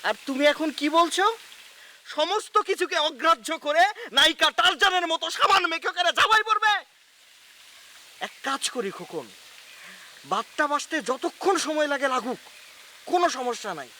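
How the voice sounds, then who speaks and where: A man's voice: extremely high pitch, sing-song, normal speed, pushed and bright, exaggerated voice, rough recording. An actor playing a bossy ad film producer who scolds his assistant with sarcasm. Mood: sarcastic. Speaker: ad film boss at a shoot. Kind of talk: TV drama acting.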